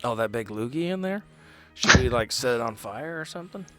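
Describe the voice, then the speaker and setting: A man playing a gruff, blunt axe-carrying fighter with anger issues in a tabletop game, speaking casually and haltingly. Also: medium pitch, animated, fairly bright tone, soft background music, close to an everyday voice. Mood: blunt, practical.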